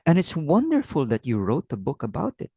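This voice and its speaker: A man hosting an interview, talking in a measured, explanatory way. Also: on the high side, wildly swooping pitch, warm tone, breathy edge, no room sound, studio quality. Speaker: host.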